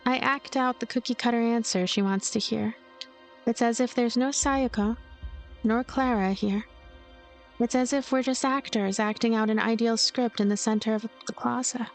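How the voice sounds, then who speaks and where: A woman plays a lonely, scheming girl narrating a story game in the first person. The voice sits on the high side, wry and blunt, over background music. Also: steady tone, normal speed, lightly acted. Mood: cool, calculating. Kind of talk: first-person visual novel narration read aloud.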